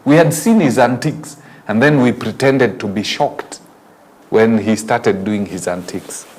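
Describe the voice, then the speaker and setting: A man's voice: fairly low pitch, measured pace, slight background noise. A middle-aged man with a Kenyan accent, giving a preachy closing commentary as talk show host. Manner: animated, laughs often, preachy.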